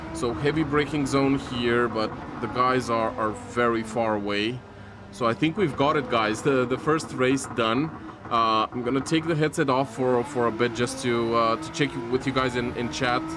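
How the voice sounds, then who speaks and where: Fairly even intonation with a non-native accent at a moderate pace, over noticeable background noise. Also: man, medium pitch for a man. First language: not English. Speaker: VR gaming streamer. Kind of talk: live gameplay commentary. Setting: livestream wearing VR headset and earbuds. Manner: halting, many repeated words and fillers.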